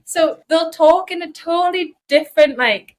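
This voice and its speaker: A woman's voice: very high voice, moderate pace. A young woman from northeast England with a mixed Geordie and South Asian accent, chatting casually and self-deprecatingly as a podcast co-host.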